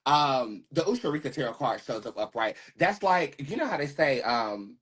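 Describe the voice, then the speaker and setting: Husky-voiced man giving a tarot reading. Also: medium pitch, lively intonation, normal speed, fairly bright tone. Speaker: tarot reader and host. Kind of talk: casual spiritual tarot reading to camera.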